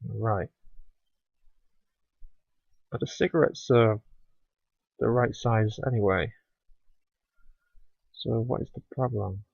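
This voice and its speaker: A man's voice: fairly low pitch, fairly even intonation, slow, vocal fry, long pauses, darkish tone, husky, no room sound, dull audio. A man giving casual, chatty commentary while streaming a game, with sarcastic asides.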